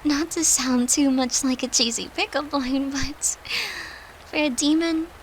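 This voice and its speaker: A woman's voice: sits high, steady tone, measured pace, a little hiss or hum, low-quality recording. A woman playing a devoted, playful and protective human girlfriend in an intimate comfort audio roleplay, speaking in a tender, soothing, coaxing way. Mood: earnest pleading. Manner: tender, soothing, coaxing, slipping into breathy murmurs.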